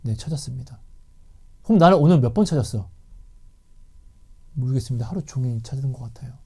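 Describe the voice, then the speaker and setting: A man voicing God as a gentle, patient figure who asks calm questions in a low voice. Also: brisk, husky. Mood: gentle questioning.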